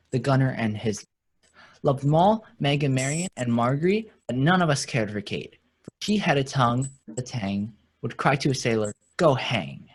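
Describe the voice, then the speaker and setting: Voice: mid-range voice, breathy edge. A performer playing a bawdy, swaggering shipwrecked sailor in a Shakespeare radio play. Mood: singing, bawdy.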